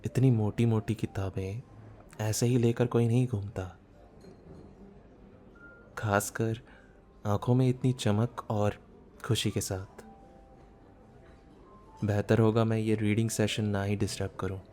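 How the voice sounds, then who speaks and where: A man acting a shy, bookish man in his thirties in an intimate ASMR romance roleplay, speaking softly as if musing, with some background noise. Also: on the low side, fairly even intonation, faint music behind. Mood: self-chiding. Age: 30s. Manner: soft, unhurried, intimate, musing. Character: shy, bookish, self-doubting thirty-year-old man, tender romantic lead. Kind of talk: ASMR boyfriend roleplay audio drama.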